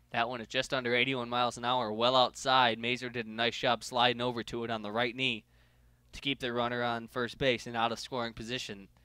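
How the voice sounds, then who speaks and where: With a bright, sharp tone, a man sounds upbeat and enthusiastic, speaking at a fairly quick pace over a quiet background. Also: dry sound with no echo. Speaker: baseball play-by-play broadcaster. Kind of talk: live baseball play-by-play commentary. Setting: stadium broadcast booth, solo on the call. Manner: fast, fluid, energetic play-by-play patter, calling each pitch and count; conversational and upbeat, enthusiastic about big plays and stats.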